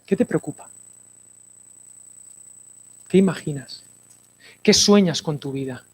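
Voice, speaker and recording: Animated high-voiced preacher. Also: male voice, slow pace, slightly rough. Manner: lively, playful preaching with sudden drops to hushed intensity. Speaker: pastor. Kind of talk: sermon. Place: church hall, in front of a congregation.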